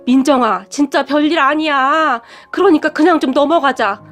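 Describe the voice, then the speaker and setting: Woman reading a tired, stubborn middle-aged mom in a storybook, high voice, soft music under it. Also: normal speed, close to an everyday voice. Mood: pleading. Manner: sighing, pleading, stubborn. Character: weary, proud middle-aged mother, tearful.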